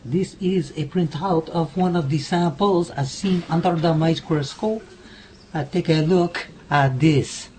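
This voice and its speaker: Man playing a mellow, earnest lab scientist. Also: fairly high pitch, a little slow, a little hiss or hum, lightly acted. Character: earnest, formal male lab scientist named Francois. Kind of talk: radio drama acting.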